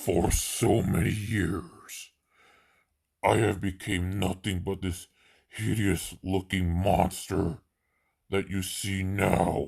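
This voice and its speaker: Putting on a character voice, a man talks very deep and low at a very slow pace, with long, frequent pauses over a quiet background. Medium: voice reel. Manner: menacing.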